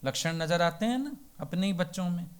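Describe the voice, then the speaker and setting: A man's voice: high-pitched, lively intonation, a little fast, clean tone. A man giving a devotional sermon as a spiritual teacher. He tells folksy parables and keeps asking rhetorical questions. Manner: folksy and plain-spoken.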